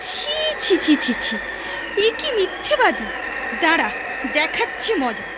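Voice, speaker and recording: A woman voicing an imperious, motherly goddess in a Bengali cartoon, dramatic and quick to scold. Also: extremely high pitch, huge pitch swings, heavy background noise, exaggerated voice. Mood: outraged. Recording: loud background music under the voice.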